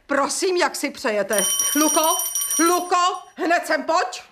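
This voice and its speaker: A haughty young widow. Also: female voice, sits high, lively intonation, heavy background noise. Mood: imperious. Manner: haughty, indignant. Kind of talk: radio play acting.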